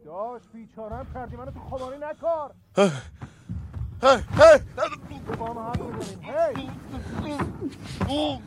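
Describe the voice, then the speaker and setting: A man's voice: extremely high pitch, long pauses. A man playing a hot-tempered door-banging brute. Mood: pleading, pushy. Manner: bullying and menacing, repeats himself.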